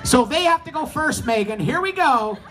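Super high sing-songy clown on a fair stage mic, loud music going, getting the crowd to yell. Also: animated, normal speed. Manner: high, singsong, hyping up the crowd. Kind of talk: emceeing a children's sing-along. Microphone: handheld mic through a PA.

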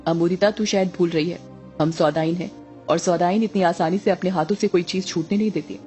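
A woman's voice: lowish voice, steady tone, fairly quick, darkish tone, faint music behind, natural voice. A woman voicing a bossy, scheming middle-aged witch mother who scolds and gives orders. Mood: stern. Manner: scolding, commanding.

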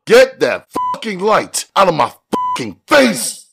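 A man's voice: high voice, wildly swooping pitch, measured pace, vocal fry, a bit bright, slight background noise, voice pushed up, heavily acted. A male narrator playing an angry, proud, streetwise father who growls and curses in an audiobook. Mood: furious. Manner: growling, cursing.

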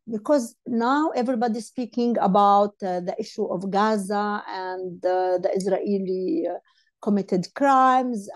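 A woman in her sixties whose first language is Arabic, speaking on an online panel over a video call, halting with many fillers and restarts. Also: medium pitch, dark tone. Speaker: panel speaker, legal advisor. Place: home room. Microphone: earphone headset on video call.

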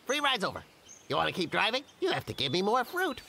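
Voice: medium pitch, huge pitch swings, fast, creaky, sharp tone, a little hiss or hum, full character voice. An actor playing a greedy, scheming cartoon logger with an exclamatory salesman's patter. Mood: stern. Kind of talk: exaggerated cartoon acting.

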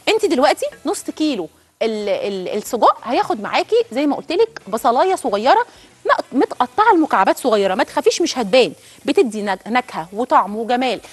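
Fast, husky Egyptian woman cooking host. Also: high voice. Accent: Egyptian Arabic. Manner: chatty, addresses viewers directly. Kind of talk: cooking demonstration.

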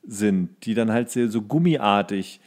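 A man's voice: on the low side, a little slow, darkish tone. Rambling man in casual podcast chat. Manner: rambling, colloquial with coarse slang. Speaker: podcast co-host.

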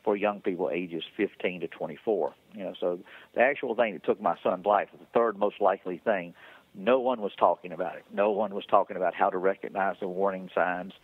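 A middle-aged man speaking as a guest in a phone interview, halting, with many fillers and restarts. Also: sits low, fairly even intonation, slightly rough, no room sound. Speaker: interview guest, foundation founder. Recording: tinny phone line.

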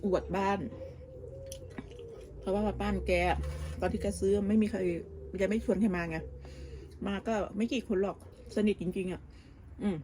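A woman chats in a gossipy, rambling way, often starting over mid-sentence. Her voice is mellow and soft-edged. Faint clinking of dishes and pans sits behind her in a home kitchen. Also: mid-range voice, fairly even intonation, unhurried, pauses often, slight background noise. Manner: gossipy, talks with many restarts and fillers. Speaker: vlogger. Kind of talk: casual chatty storytelling.

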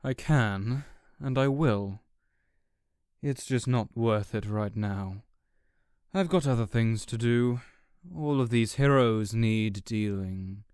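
A man playing a smug, contemptuous supervillain in an audio roleplay, speaking in a deliberate, condescending way. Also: mid-range voice, darkish tone, clear, resonant tone, no echo, studio quality, lightly acted. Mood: irritated, dismissive. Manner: deliberate, condescending, theatrical monologuing. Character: smug, contemptuous male supervillain gloating over a beaten rival. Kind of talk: audio roleplay villain acting.

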